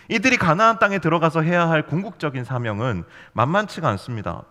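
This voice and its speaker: A man's voice: fairly high pitch, fairly bright tone. A man preaching a sermon as youth pastor, playful and storytelling, full of rhetorical questions to the congregation. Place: church sanctuary. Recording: long hall reverb.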